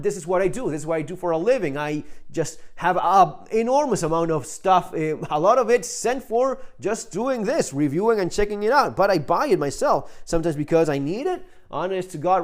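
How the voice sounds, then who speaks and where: A man giving an unscripted, casual product review, rambling and cutting himself off with emphatic asides. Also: high-pitched. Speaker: product reviewer, channel host.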